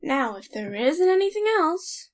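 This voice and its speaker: Woman playing a high-voiced, weary, flippant young woman. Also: big pitch swings, a little slow. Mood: offhand, impatient. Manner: weary, offhand, sarcastic. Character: tired, flippant young woman, reluctant hero. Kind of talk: audio drama acting.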